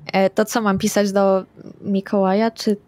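Woman, roleplaying player, casual game chat, dry close sound, medium pitch. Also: little pitch movement, measured pace, darkish tone, no echo.

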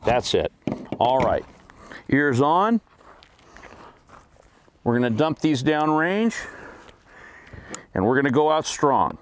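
A middle-aged man with a drawl walks through a demonstration, explaining each step in a plain, practical way. His voice sits at an ordinary pitch for a man. Faint noise and clicks can be heard behind him. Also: big pitch swings, takes it slowly, long pauses. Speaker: host. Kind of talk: instructional firearms demonstration.

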